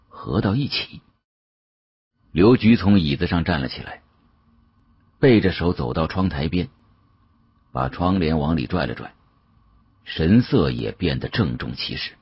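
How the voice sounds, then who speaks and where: A man narrating an audiobook as a dramatic first-person story, in a husky storyteller's voice. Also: extremely low pitch, no room sound, muffled recording.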